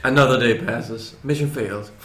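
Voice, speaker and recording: A man playing a tabletop game, joking loudly and swearing freely. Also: medium pitch, normal speed. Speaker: player. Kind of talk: casual tabletop play. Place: event room, indoors. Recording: echoey room with crowd chatter.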